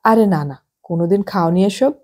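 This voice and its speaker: A woman reading the part of an easygoing businessman husband in his thirties in an audiobook, in calm, coaxing talk. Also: lowish voice, normal speed, close to an everyday voice.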